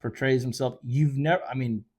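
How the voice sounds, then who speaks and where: A man with a medium-pitched, a little mellow voice speaks at normal speed with fairly even intonation. He's a fishing charter guide hosting a show, talking solo into a desk microphone. His commentary rambles casually, peppered with fillers and self-corrections.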